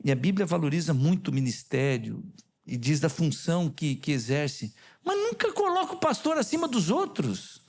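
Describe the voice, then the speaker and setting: A man's voice: a little high, moderate pace. A man with a Brazilian Portuguese accent preaching a sermon as a pastor, who puts questions to the congregation and retells conversations. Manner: animated, quizzes the congregation with questions. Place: church sanctuary.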